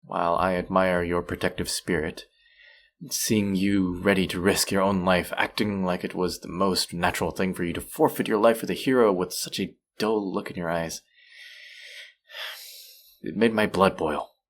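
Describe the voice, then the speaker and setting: A man playing a manipulative, possessive supervillain in a roleplay audio drama, speaking in a measured, condescending yet coaxing and protective way. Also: low-pitched, fairly even intonation. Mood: tender, intense.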